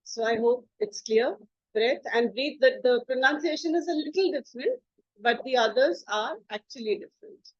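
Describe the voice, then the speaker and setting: A woman teacher giving a slide presentation on English words, explaining slowly, spelling words out and pausing on fillers. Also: sits high, no room sound, dull audio.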